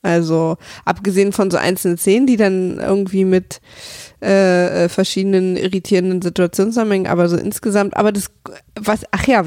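A woman's voice: on the low side, darkish tone, no echo, clean studio sound. A woman hosting a podcast, talking casually from her home office in a rambling, chatty way with plenty of fillers. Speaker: podcast host.

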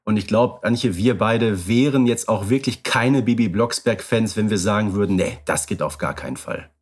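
A man co-hosting a podcast in relaxed casual chat, hedging with filler phrases. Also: fairly low pitch, normal speed, breathy edge. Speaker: podcast co-host.

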